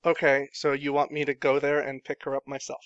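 A man voicing a calm, businesslike male go-between in a tabletop game, polite and matter-of-fact. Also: mid-range voice, brisk, no echo, highs cut off, lightly acted.

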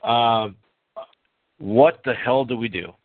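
A man with a middle-pitched voice hosts a casual sports podcast, citing stats and steering the talk. The sound is dry and narrow, like a phone line. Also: takes it slowly, no room sound. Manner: numbers-driven, leads the questions. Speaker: podcast host.

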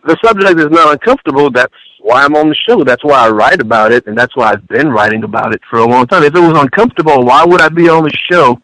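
A man's voice: a little high, fast talker, a bit bright, no room sound, rough recording. A man born in France, a guest on a call-in radio show, defending himself and restarting his words often.

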